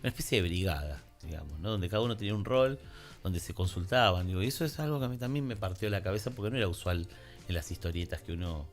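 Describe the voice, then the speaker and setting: A man's voice: sits low, fast, faint music behind. An Argentine man hosting a radio talk, commenting in a reflective, discursive way and checking for agreement with short tag questions. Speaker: radio show host.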